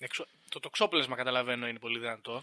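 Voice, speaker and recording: Against a quiet background, a man talks at a fairly quick pace with a bright, sharp tone and a dry, close sound with no echo. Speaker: podcast host. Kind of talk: casual chat.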